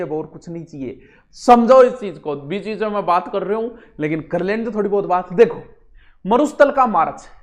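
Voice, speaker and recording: Rajasthani male teacher, exam coaching, chatty and lively, mixes in local dialect. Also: high-pitched. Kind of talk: exam-prep geography lesson.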